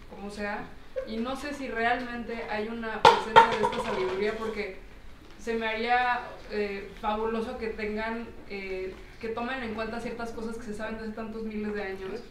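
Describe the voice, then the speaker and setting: A woman's voice: fairly high pitch, normal speed. Tentative woman, echoey and noisy. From Mexico. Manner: tentative, searching for words. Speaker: participant asking questions. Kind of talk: casual question in a discussion. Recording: echoey room, distant mic, clear noise.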